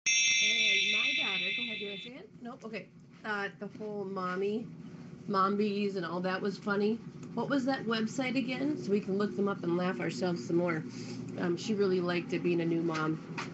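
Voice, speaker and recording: A woman's voice: mid-range voice, steady tone, normal speed. A woman chatting casually as she comments on a podcast. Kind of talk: casual chat. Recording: noisy, dull lo-fi voice chat.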